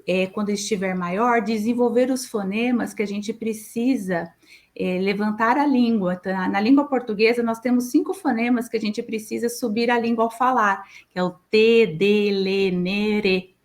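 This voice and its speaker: A woman's voice: on the high side, normal speed. A middle-aged Brazilian woman, a speech therapist, explaining patiently in an interview and giving examples.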